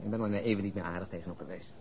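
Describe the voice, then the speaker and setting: An actor playing a sardonic police detective who has quit smoking and makes dry, sarcastic jokes. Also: male voice, deep voice, fairly even intonation, rapid-fire, a crowd in the background, lightly acted. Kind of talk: radio drama acting.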